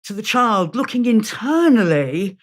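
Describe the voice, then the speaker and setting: A woman hosting a conversational interview, speaking in a measured, reflective way with some hesitations. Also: medium pitch, very animated.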